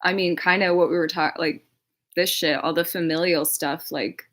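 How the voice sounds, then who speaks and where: A woman's voice: fairly low pitch, steady tone, moderate pace, a bit bright. A woman chatting casually on a livestream as a true crime creator, rambling with lots of filler words and casual swearing.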